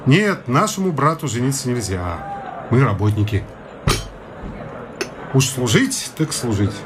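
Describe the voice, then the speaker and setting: An actor playing a worldly bachelor friend in a radio play, matter-of-factly lecturing against marriage. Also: male voice, medium pitch, expressive, measured pace, noisy background, close to an everyday voice. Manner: lecturing, confiding, matter-of-fact. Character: worldly bachelor friend, sober-minded young man.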